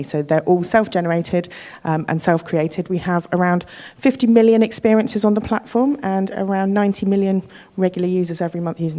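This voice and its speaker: Low, mellow-voiced woman panelist. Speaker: panelist, community safety director. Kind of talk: conference panel talk. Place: conference stage.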